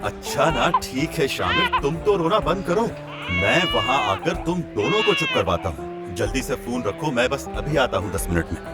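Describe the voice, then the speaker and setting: A man's voice: mid-range voice, very animated, normal speed, lightly acted. A man dubbing a young man who is a teasing but reassuring friend and uncle to a baby. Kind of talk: dubbed TV drama acting. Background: background music.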